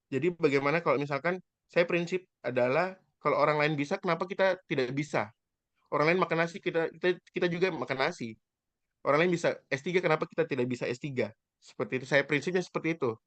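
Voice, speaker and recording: Earnest man in his thirties, higher voice. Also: fairly bright tone, no echo, lo-fi sound. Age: 30s. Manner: earnest, often hesitant with drawn-out "eee" fillers; politely addresses listeners as sir. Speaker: guest lecturer. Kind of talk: informal lecture sharing personal experience.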